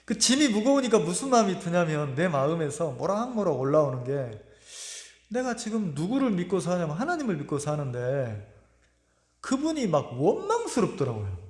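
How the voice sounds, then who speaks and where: A middle-aged man preaching a sermon, telling a personal story in an earnest, emotional way, pausing and repeating his words. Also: fairly high pitch, a little mellow. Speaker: pastor. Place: church sanctuary. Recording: echoey church hall with long reverb.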